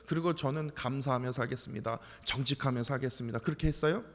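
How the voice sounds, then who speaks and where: A male pastor giving an early-morning sermon, animated and full of rhetorical questions. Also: medium pitch, fast talker, long reverb tail. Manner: animated preaching with rhetorical questions and acted-out quotes. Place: church sanctuary.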